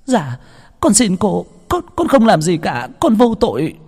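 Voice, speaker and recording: A man's voice: high-pitched, wildly swooping pitch, a little slow, darkish tone, breathy edge, big-room sound, pitched above the performer's own voice, full character voice. Man doing a pleading young servant girl. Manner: crying out, pleading.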